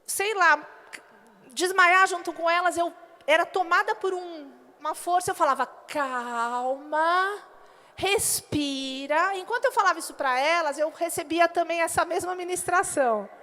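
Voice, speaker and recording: A woman pastor preaching a sermon and acting out little quoted dialogues in an animated way. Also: very high-pitched, normal speed. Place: church hall. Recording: long hall reverb.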